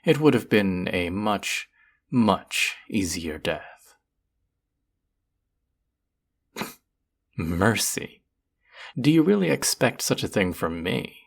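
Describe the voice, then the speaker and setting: A man's voice: lowish voice, big pitch swings, slow, vocal fry, breathy edge, exaggerated voice. A man playing a cruel, powerful, vain sorcerer in a fantasy audio roleplay, speaking to the listener in a theatrical, menacing drawl. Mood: cruel, gloating.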